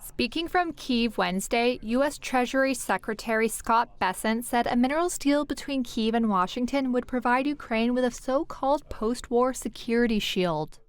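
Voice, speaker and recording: A woman's voice: a little high, moderate pace, few pauses, smooth, no room sound. A woman narrating a scripted news report as a reporter, with matter-of-fact delivery.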